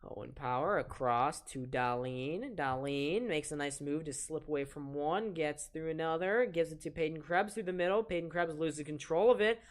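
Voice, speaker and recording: An eighteen-year-old man with a soft voice, casually calling live hockey play-by-play on a stream and chatting with viewers between plays. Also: fairly high pitch, normal speed, few pauses. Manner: chatty, reads chat aloud and talks to viewers between plays. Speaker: play-by-play commentator and stream host.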